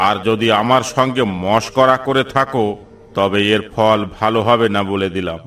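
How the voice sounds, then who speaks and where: A man voicing a gruff, commanding middle-aged police officer in a cartoon. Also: lowish voice, steady tone, moderate pace, a bit bright, far from the mic, soft background music, close to an everyday voice. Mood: stern. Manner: commanding, dismissive.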